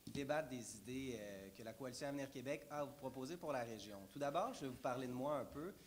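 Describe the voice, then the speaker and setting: An unremarkable speaking voice runs on with hardly any pauses. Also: man, medium pitch for a man, ordinary pitch variation, fairly quick pace. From Quebec, Montérégie (Mont-Saint-Hilaire). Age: 20s. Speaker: political candidate, lawyer. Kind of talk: election debate opening statement. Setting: public debate with audience.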